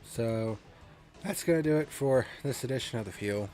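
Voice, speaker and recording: A man's voice: medium pitch, normal speed, darkish tone, faint music behind. A man hosting a racing review show, talking casually with a blunt, profane, ranting manner, and sounding congested from a cold.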